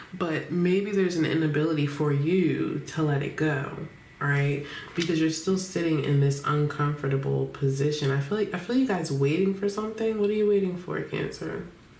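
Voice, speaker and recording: Audible room echo is heard along with light background noise. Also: woman, very deep, low pitch for a woman, ordinary pitch variation, moderate pace. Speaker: tarot reader. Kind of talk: tarot reading commentary. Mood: calm, reflective, occasional laughs. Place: home room.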